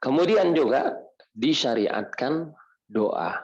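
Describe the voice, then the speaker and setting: A man's voice: mid-range voice, takes it slowly, dull audio. A man preaching a mosque study lecture, reciting Arabic prayers and explaining them, often asking the audience questions. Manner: animated, asks the audience questions and answers them. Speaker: preacher teaching Islamic jurisprudence.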